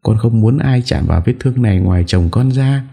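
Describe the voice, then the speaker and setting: A man's voice: rumbling low, expressive, a little slow, gravelly, mellow, full character voice. A man voicing a scheming young wife who whines through sobs in a storybook reading. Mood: tearful whining. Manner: whiny, sobbing complaint.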